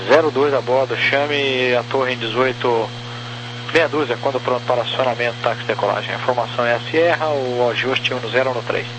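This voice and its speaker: Male air traffic controller, Brazilian accent, mid-pitched, procedural phraseology, crackly noisy radio channel. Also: steady tone, brisk. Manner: procedural, clipped readout with spelled-out digits. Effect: crackly aviation radio.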